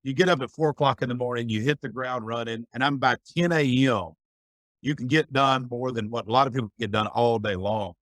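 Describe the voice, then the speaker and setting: A man's voice: mid-range voice, fairly quick, fairly bright tone, no echo. A middle-aged man speaking as a podcast guest, giving earnest, folksy advice in a reflective conversation. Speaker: guest, business owner.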